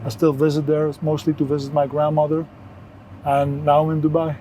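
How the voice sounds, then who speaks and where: Higher-voiced mellow man from Belgium, explaining earnestly. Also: monotone, a little fast, a little hiss or hum, low-quality recording. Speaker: interview guest, wellness entrepreneur. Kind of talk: conversational health advice.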